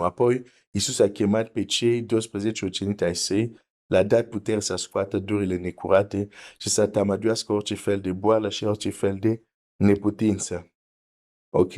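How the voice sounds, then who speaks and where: A man's voice: fairly low pitch, steady tone, darkish tone. A man preaching a teaching sermon, explaining carefully, repeating his points and reading scripture aloud.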